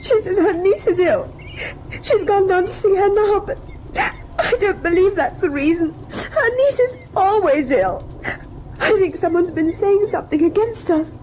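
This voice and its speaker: An actress playing an anxious, fretful young wife in an old-time radio drama. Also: female voice, very high-pitched, lively intonation, a little slow, a little mellow. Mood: upset, tearful. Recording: faintly noisy old radio recording.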